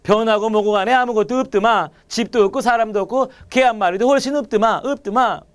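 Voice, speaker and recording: A man's voice: high-pitched, fast talker, smooth, lightly acted. A man reading aloud the lines of a weary, displaced man from a novel, in Gyeongsang dialect.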